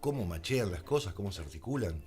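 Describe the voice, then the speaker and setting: A man's voice: low-pitched, big pitch swings, a little fast, a little mellow, faint music behind. An Argentine man telling stories conversationally as a radio interview guest, slipping into reported dialogue as he goes. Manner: anecdotal, acts out reported dialogue. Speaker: guest, radio drama creator.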